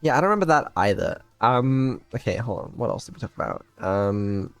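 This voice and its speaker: A man's voice: on the low side, lively intonation, fairly quick, gravelly, smooth, dry recording, faint music behind. A man, streaming and quizzing his AI in an exasperated, incredulous way. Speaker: streamer and developer. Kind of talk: casual stream chat.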